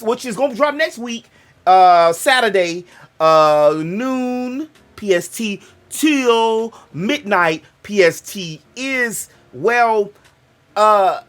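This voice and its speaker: Rambling black American man, lively pitch. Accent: African American English. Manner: loose, joking, digressive, self-interrupting. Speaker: gaming channel host. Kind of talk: rambling casual monologue.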